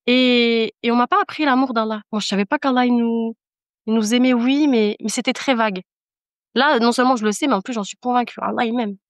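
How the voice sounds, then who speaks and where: A woman's voice: a little high, a little fast, no echo. A woman speaking as a podcast guest in casual conversation, giving an earnest, emphatic personal testimony and repeating phrases for emphasis.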